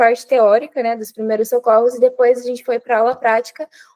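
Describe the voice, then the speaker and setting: A woman with an ordinary speaking voice talks at a fairly high pitch, her intonation fairly even. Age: 20s. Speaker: medical student. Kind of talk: interview.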